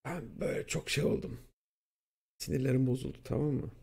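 A young man casually telling a school story, animated and profane, acting out what people said. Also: mid-range voice, fairly quick, vocal fry, slightly rough. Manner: animated, profane, acts out quotes. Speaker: streamer.

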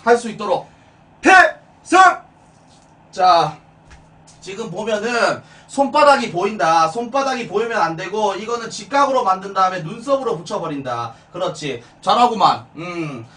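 A man's voice: high voice, lively intonation, moderate pace, fairly bright tone. A young man acting as a drill sergeant in a streamed comic military training, giving commands and stern corrections in a small room. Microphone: room mic a few steps away. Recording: distant room mic, music underneath.

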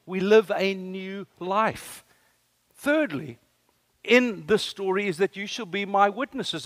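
Animated Afrikaans-accented male preacher. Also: high-pitched, no echo. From South Africa. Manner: animated storytelling preacher, asks the room questions. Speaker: guest preacher. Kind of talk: sermon.

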